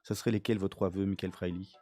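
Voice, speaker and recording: A man's voice: sits low, level tone, quick pace, mellow, soft background music. A man interviewing a guest on radio, putting questions in a conversational way.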